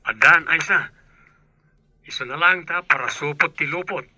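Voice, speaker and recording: A man's voice: on the high side, moderate pace, sharp tone, slightly rough, no room sound, full character voice. A man voicing an easygoing young man who works far from home, in a radio drama.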